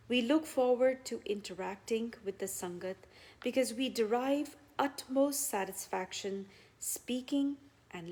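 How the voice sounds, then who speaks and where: Woman, devotional reader, scripted read-aloud, very slow pace, medium pitch, phrase endings fading softly. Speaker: devotee reading testimonials at a religious gathering.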